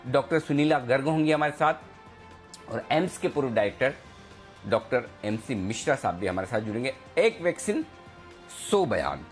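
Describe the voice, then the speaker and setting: Indian man, news anchor, brisk, punchy slogans, faint background music. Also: mid-range voice. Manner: brisk, announcing upcoming shows with punchy slogans. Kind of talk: live market news presenting.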